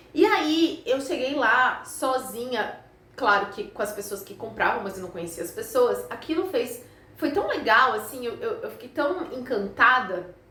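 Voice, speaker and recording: Over noticeable background noise and audible room echo, a woman with a high pitch uses a raised, projected voice at a fairly slow pace, with very wide pitch swings and big swings in loudness. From southern Brazil, Itajaí, Santa Catarina. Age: 40s. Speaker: YouTuber. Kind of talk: personal storytelling vlog. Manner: casual, conversational.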